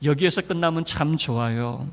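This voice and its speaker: A man's voice: a little high, normal speed, gravelly, fairly bright tone. A male pastor preaching a sermon to his congregation, acting out the lines of biblical figures in shifting voices. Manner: acts out dialogue of biblical figures in changing voices. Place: church sanctuary. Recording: long reverb of a large church hall.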